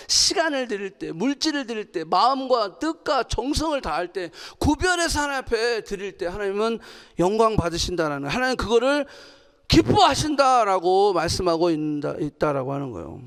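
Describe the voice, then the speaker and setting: A woman pastor giving a sermon, questioning her congregation and acting out quotes with energy. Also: mid-range voice. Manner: animated, asks the congregation questions and acts out quotes. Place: church sanctuary. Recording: long hall reverb.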